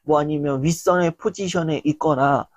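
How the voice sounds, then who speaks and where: A man's voice: a little high, moderate pace, dry recording. A young man giving a casual lecture, talking animatedly and acting out people's reactions. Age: young adult. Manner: animated, acts out quoted reactions.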